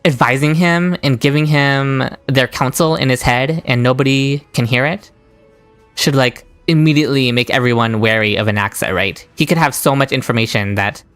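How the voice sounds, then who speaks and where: A man's voice: medium pitch, normal speed, fairly bright tone, clear, resonant tone. A young man casually commenting on a game while live-streaming, chatty and giggly as he answers his chat. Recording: stream with game music behind.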